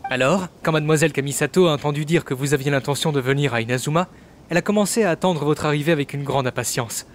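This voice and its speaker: A man's voice: on the high side, slight background noise, close to an everyday voice. A man playing an affable young servant of a noble clan in a game dub, speaking politely and formally. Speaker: amateur voice actor dubbing a game character. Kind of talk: scripted game dialogue dub.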